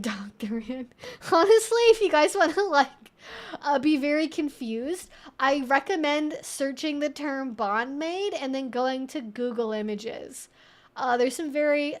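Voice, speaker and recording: A woman hosting a casual livestream, chatting to viewers in a playful, wry, mock-serious way and often giggling as she talks. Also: high voice. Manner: giggles often while talking. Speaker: livestream host.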